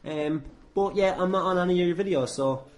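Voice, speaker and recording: A man's voice: high-pitched, brisk. An Irish man hosting a casual podcast chat, swearing freely and teasing in his banter. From Ireland. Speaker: podcast host and wrestler. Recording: clearly noisy background with clicks.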